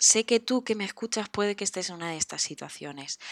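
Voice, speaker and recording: In a dry, close sound with no echo, a woman talks in an ordinary speaking voice, her fairly high pitch carried by lively intonation. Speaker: Spanish teacher podcaster. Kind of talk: casual educational monologue. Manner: informal, friendly.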